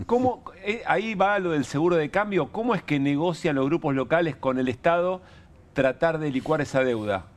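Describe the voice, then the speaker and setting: With an Argentine accent, a man talks at a moderate pace. His fairly high voice carries lively intonation. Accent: Argentine Spanish (Rioplatense). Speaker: TV host. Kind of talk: panel discussion.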